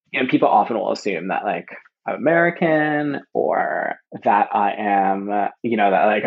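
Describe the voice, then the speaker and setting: A young Canadian man, a podcast guest, chatting casually with lots of fillers and lively quoted asides. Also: lowish voice, vocal fry, husky, lo-fi sound. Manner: chatty, full of fillers, animated quoting. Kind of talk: casual chat.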